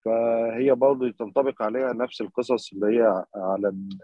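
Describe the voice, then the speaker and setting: A man's voice: mid-range voice, mellow, husky, dry recording. A man with an Egyptian accent calling in to ask several rambling questions over a muffled online connection. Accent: Egyptian Arabic. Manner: rambling, many fillers. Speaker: caller. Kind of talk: call-in questions.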